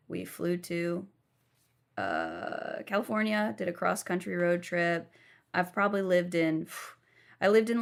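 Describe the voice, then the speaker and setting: A woman's voice: sits low, gravelly. A young woman from the southern United States, telling her life story frankly while lying down as a podcast guest.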